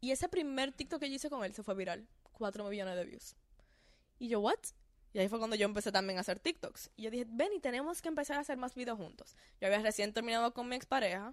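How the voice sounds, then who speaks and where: A woman with a Dominican accent speaks at a very fast pace. Her pitch is fairly high and her intonation lively. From Dominican Republic. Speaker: TikTok creator. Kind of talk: casual chat.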